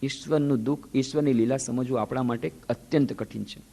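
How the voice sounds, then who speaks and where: A monk giving a spiritual discourse, telling stories and acting out the voices of the people in them. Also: male voice, mid-range voice, fairly even intonation, fairly quick, vocal fry, dark tone, breathy edge. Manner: storytelling, acting out quoted voices. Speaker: monk giving a lecture series. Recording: long hall reverb.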